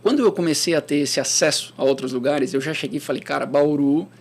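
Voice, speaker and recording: A man, speaking as a guest in a relaxed interview. His voice sits a bit high for a man. He talks in an easygoing way, circles back on his phrases and poses questions to himself as he goes. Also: fast talker. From interior of São Paulo state, Brazil. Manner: relaxed and conversational, with frequent restarts and rhetorical questions. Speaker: guest, startup accelerator professional. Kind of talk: casual interview chat.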